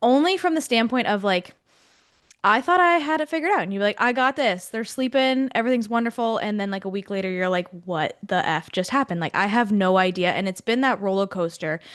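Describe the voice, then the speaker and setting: Against a quiet background, a woman talks fairly quickly in a plain, everyday voice, fairly high-pitched, with lively intonation. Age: 30s. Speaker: guest, new mother. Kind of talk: podcast interview.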